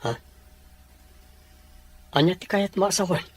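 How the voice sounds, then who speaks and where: A man's voice: high-pitched, slow, dry recording. An actor playing a lovesick, stubborn young man in a radio drama, emotional and insistent. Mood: eager, puzzled.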